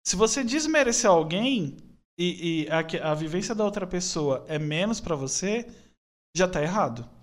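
Earnest young São man, slightly high. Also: expressive, moderate pace. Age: 20s. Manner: earnest, opinionated, rambling with restarts. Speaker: podcast guest. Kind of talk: casual podcast conversation.

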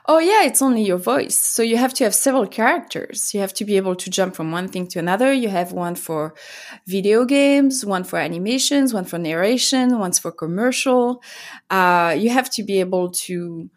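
A woman's voice: medium pitch, lively intonation. A woman with a heavy French accent, a voice actor answering interview questions in a rambling way full of fillers. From France. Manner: rambling, halting with many fillers. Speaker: voice actor guest.

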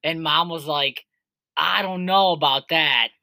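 Rambling twenty-something male co-host, bright tone, dry booth sound. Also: on the high side, measured pace, vocal fry, no room sound. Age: 20s. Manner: rambling, heavy on filler words. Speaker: podcast co-host. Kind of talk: casual chat.

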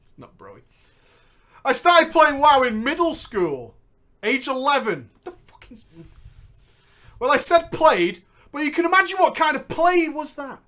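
This is a man hosting a comedic story-reading show, trading jokes with his co-host. His pitch moves a lot, and he swings between shouted bursts and muttered asides, often breaking into laughter. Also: big pitch swings, measured pace, long pauses.

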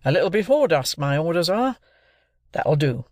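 A man reading aloud and voicing a bluff, hearty army sergeant who gives brisk orders and jovial toasts. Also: a little high, big pitch swings, dry recording, clean studio sound, voice pushed up.

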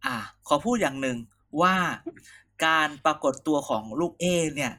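Brief: male co-host, high bright voice, teasing rough banter. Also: moderate pace. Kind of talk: casual political chat.

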